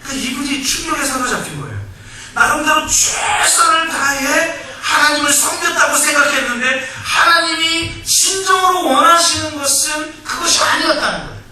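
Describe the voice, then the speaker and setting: A male pastor preaching a sermon emphatically, swinging between shouts and hushed asides. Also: extremely high pitch, moderate pace. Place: church sanctuary. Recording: echoey hall, distant mic, faint noise.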